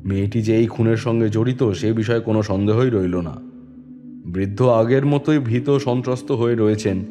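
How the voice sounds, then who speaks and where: A low-pitched man narrates in a measured, authoritative voice. His reading carries a long reverb, and a clear music bed runs underneath. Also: dark tone. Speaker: narrator and lead detective. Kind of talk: first-person audio drama narration.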